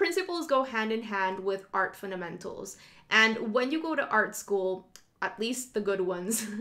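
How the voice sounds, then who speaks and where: Over a quiet background, a woman talks with lively intonation. Her pace is moderate. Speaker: art teacher. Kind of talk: educational vlog talk. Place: home room.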